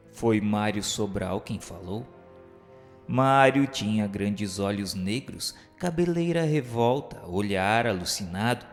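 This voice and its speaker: Man narrating an audio drama, slow and formal, big reverb, music under it. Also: mid-range voice. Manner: solemn, formal, measured. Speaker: narrator of an audio drama, telling in the first person. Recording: long reverb, music behind.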